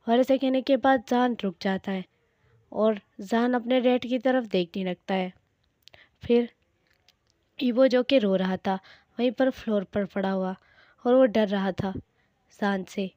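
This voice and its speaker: A woman's voice: on the high side, mellow, no echo, studio quality. A woman retelling a fan fiction story in a chatty, plain way, speaking directly to her viewers.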